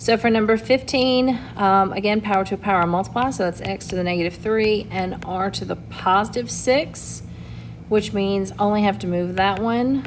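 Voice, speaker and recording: There is noticeable background noise as a woman speaks at medium pitch and a moderate pace with ordinary pitch variation. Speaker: math teacher. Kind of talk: tutorial.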